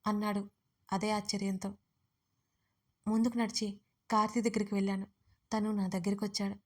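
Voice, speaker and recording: A woman reads a first-person romance audio story in a dramatic storytelling manner. Her pitch stays narrow and flat, with little rise or fall. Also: fairly quick.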